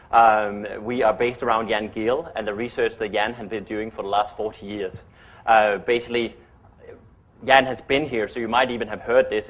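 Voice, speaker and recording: A man whose first language is Danish, giving a chatty, fast-paced public lecture in English as an architect. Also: fairly low pitch. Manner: fast-talking, chatty, self-deprecating.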